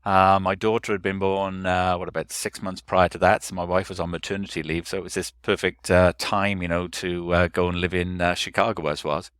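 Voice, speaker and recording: Middle-aged Welsh male podcast guest. Smooth, lowish voice, halting conversational delivery. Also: level tone, fairly bright tone, no room sound, studio quality. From Newport, South Wales. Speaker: podcast guest, marketing and sales executive. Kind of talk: conversational career story in an interview.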